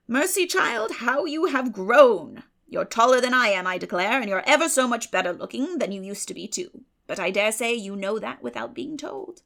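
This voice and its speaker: Woman playing a brisk, blunt old aunt, creaky voice. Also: on the high side, animated, fairly bright tone. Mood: pleased, teasing. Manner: blunt, declarative, teasing. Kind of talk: dramatic audiobook character reading.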